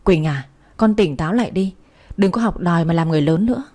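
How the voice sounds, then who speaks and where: A woman's voice: lowish voice, lively intonation, fast talker, mellow. A woman voicing a short-tempered mother who scolds her daughter and turns timid before her husband. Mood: scolding. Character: harsh, short-tempered mother of two girls.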